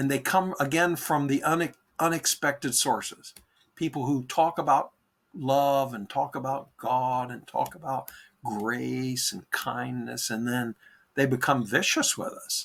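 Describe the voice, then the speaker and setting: At a fairly slow pace, a man talks with ordinary pitch variation. The background is silent and the recording very clean. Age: 60s. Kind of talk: casual chat. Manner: halting.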